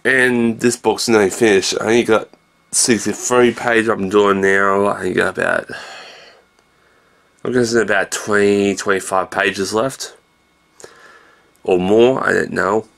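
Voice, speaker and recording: Male vlogger, thirties, lowish pitch with heavy fry, casual and meandering delivery, shot handheld indoors. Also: fairly even intonation, measured pace, pauses often, fairly bright tone. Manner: low-key, meandering, jumps between everyday subjects. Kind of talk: casual rambling video diary. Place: small room indoors. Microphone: handheld camera at arm's length.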